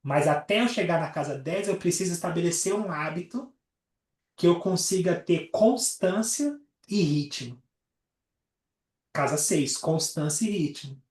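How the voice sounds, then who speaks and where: A man's voice: fairly high pitch, a little slow, darkish tone. A man leads an astrology study group on a video call. He talks casually and explains things with everyday examples. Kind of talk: casual teaching talk. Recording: roomy, distant from the mic.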